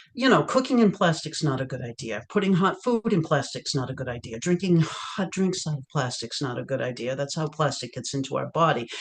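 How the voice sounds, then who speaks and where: Over noticeable background noise, a woman with a very deep, low pitch speaks at a fairly quick pace with hardly any pauses and very wide pitch swings. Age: 60s. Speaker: holistic nurse coach. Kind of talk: podcast interview.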